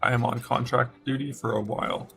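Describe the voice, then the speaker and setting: A man's voice: mid-range voice, steady tone, brisk, vocal fry, a bit bright, faint music behind. A man streaming a game, casually talking through build choices in a rambling way. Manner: rambling, many fillers and restarts. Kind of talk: casual gameplay commentary.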